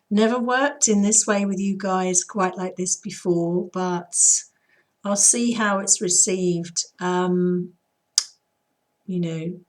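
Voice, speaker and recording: Hoarse husky woman, throaty, talks real slow and even, barely moves in pitch. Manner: soft, unhurried, intoning. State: hoarse after illness. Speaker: spiritual healer. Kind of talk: slow chanted healing invocation; casual chat to viewers.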